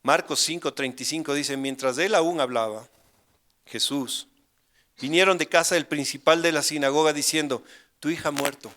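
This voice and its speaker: Impassioned preaching man, swinging loud and hushed. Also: medium pitch. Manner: dramatic, voices imagined pleas with rising intensity then drops to hushed tones. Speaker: pastor. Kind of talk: sermon.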